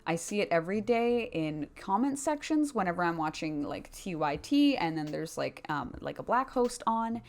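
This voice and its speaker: A woman's voice: fairly low pitch, very animated, moderate pace, vocal fry, hardly any pauses, darkish tone. A woman giving casual, opinionated commentary to viewers in an informal, slangy and emphatic way. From Canada. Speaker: video commentary host.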